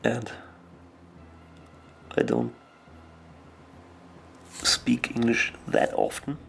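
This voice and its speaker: Slow, gravelly German-accented man. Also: mid-range voice, very animated, fairly bright tone, a little hiss or hum. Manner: slow, hesitant, searching for words with many ums. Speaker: miniature painting tutor. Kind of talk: casual talk while painting.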